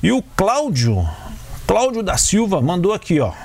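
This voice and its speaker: A man's voice: high-pitched, big pitch swings, normal speed, creaky. A man from hosting a live sports radio show, reading out listener messages in a chatty way.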